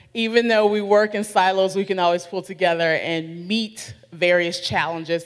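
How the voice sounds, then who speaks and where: In a very clean recording with a silent background, an unremarkable speaking voice moves at a moderate pace with fairly even intonation. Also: woman. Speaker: college faculty member. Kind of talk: group report-back presentation.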